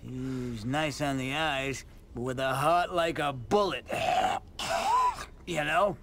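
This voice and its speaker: A man's voice: medium pitch, takes it slowly, heavy background noise. An actor voicing a shady, cocky male bartender in a video game, talking in a folksy, swaggering drawl. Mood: scornful. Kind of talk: video game character dialogue.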